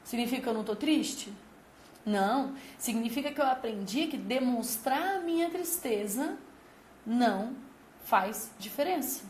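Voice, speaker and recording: A woman's voice: fairly high pitch, expressive, unhurried, slight background noise. A woman hosting a parenting channel, talking to parents emphatically and explaining through vivid comparisons. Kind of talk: advice talk to parents. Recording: roomy echo with faint ambience.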